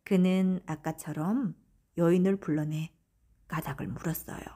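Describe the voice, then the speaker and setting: A woman narrating a bedtime folktale as an audiobook storyteller, gently, often letting phrase ends fade toward a whisper. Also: on the low side, steady tone, normal speed.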